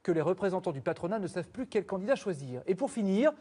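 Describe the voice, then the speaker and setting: A man's voice: high-pitched, sing-song, quick pace, mellow, husky. A man with a standard French accent from France, presenting live news, headlines and a press review.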